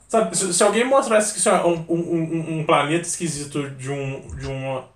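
A young man in his twenties, co-hosting a podcast over a video call, talking in an animated, rambling way full of restarts and swearing. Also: fairly high pitch, moderate pace, echoey room, far from the mic. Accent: Brazilian Portuguese. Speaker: podcast co-host.

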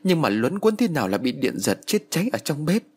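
A man's voice: a little high, big pitch swings, brisk, a little mellow, husky, voice pushed up. A man voicing a tearful middle-aged woman relative in a spoken horror story, choked and lamenting.

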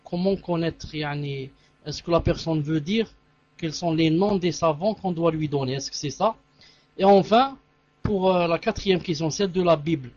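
High-voiced man asking for clarification. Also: moderate pace, darkish tone, no echo. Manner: asks clarifying questions, uses Arabic fillers. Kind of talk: casual call talk. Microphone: online audio call. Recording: muffled lo-fi audio.

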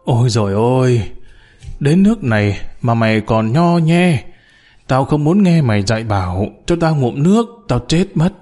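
Dying old tyrant, wheezy and pleading, put on by a male reader; middle pitch. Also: fairly quick, darkish tone, slightly rough, soft background music, close to an everyday voice. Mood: begging. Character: dying old corrupt official, greedy and tyrannical, begging.

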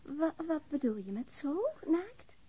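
A woman's voice: high-pitched, big pitch swings, a little slow, dark tone. An actress playing a policeman's frank wife in a naturalistic radio drama, sardonic, playful and outspoken, teasing and eager by turns. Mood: bemused, challenging.

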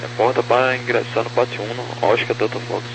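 A man's voice: medium pitch, flat delivery, fairly quick, vocal fry. A man working as a ground controller, giving procedural taxi instructions over a walkie-talkie style radio. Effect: over walkie-talkie style aviation radio. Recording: noisy radio channel with hum.

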